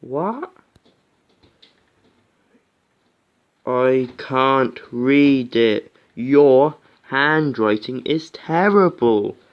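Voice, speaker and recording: A man voicing a quiet, polite male high school student with brief replies in a game. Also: lively intonation, drawn-out words, lo-fi sound. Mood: puzzled. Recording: music behind the voice.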